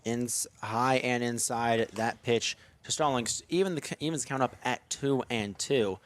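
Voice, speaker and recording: A young man calling a baseball game on the radio from a ballpark press box, steady in tone and lifting his voice on big plays. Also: medium pitch, unhurried. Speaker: play-by-play announcer.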